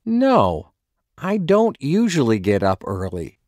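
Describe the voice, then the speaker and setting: Slow, animated man reading lesson dialogue. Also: medium pitch, no room sound, clean studio sound. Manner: slow, clearly enunciated. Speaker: dialogue reader. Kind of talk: scripted language-lesson dialogue.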